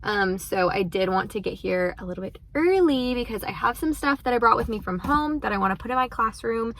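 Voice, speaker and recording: A woman's voice: mid-range voice, creaky, a bit bright. A young woman, vlogging casually as a first-year teacher from her car and her classroom, chatty and rambling with many fillers. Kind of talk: casual vlog chat.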